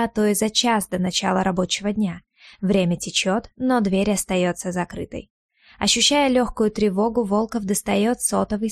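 A woman narrating an audiobook in a measured, unhurried reading style. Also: mid-range voice, a little mellow, no echo, clean studio sound.

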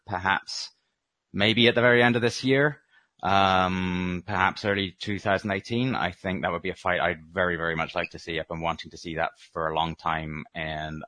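A man giving unscripted answers as an expert interview guest, speaking in a reflective, hesitant and measured way. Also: deep voice, bright, forceful tone, no echo.

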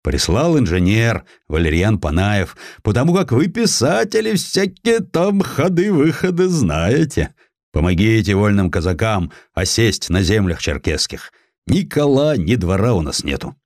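Man acting a brash, folksy, animated Cossack adventurer. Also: lowish voice, a little slow, no echo, studio quality. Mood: earnest, folksy. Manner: folksy, plain-spoken, bold. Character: brash, free-spirited Russian Cossack adventurer, a big man. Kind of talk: acted dialogue in an audiobook.

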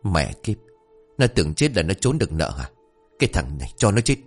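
A man voicing a cold, menacing rich old male moneylender who talks low and sneering. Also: sing-song, brisk, faint music behind, heavily acted. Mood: angry.

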